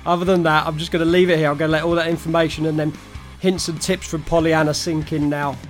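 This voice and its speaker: Slightly croaky man hosting a podcast. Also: fairly high pitch, level tone, quick pace, soft background music. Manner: chatty, upbeat, friendly promotional. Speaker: podcast host. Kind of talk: casual solo wrap-up talk.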